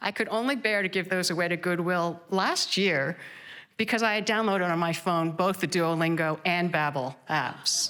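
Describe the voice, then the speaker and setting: A woman speaks with an American accent in an ordinary speaking voice. Her pitch is fairly low, with ordinary variation and very even loudness. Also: moderate pace. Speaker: storyteller. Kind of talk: live storytelling performance.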